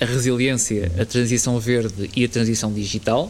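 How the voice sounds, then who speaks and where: With an unremarkable speaking voice, a man talks at a fairly slow pace in a medium pitch with ordinary variation. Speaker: government secretary of state, politician. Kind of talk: interview. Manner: formal.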